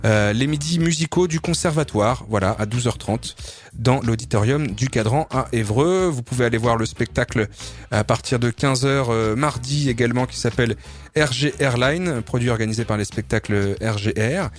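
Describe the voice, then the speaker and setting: A man's voice: mid-range voice, normal speed, faint music behind. A man hosting a local radio show, reading out events and programme listings in a loose, hesitant way with lots of fillers and little jokes. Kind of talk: casual radio chat and listings. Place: radio studio.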